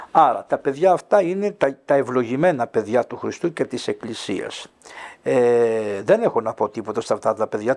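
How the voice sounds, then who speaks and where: A man's voice: medium pitch, vocal fry, darkish tone. An older man, a Greek Orthodox priest, talking earnestly in an interview and telling stories with quoted dialogue. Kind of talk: interview answer, storytelling.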